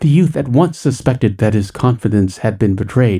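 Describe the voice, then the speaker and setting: A man speaks at a medium pitch in a dark, mellow, somewhat breathy voice. His tone is dramatic, with ordinary pitch variation. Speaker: video narrator reading a story aloud. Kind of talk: storytelling narration, reading a ghost story aloud. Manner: measured, dramatic, steady pacing with suspenseful tone.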